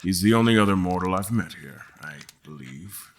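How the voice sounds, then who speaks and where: An actor playing a frustrated, wry mortal guest in an audio drama, choosing words in a deliberate, formal, dry manner. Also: male voice, low-pitched, expressive. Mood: careful, probing. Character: mortal male guest, frustrated, wry, carefully probing captors. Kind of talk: audio drama acting with first-person narration.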